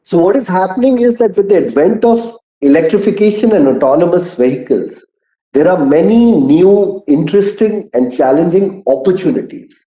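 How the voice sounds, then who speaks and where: A man with an Indian accent giving a prepared earnings call presentation as a company executive, measured and articulate, with deliberate emphasis. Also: sits high, animated, mellow. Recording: muffled, echoey conference call audio.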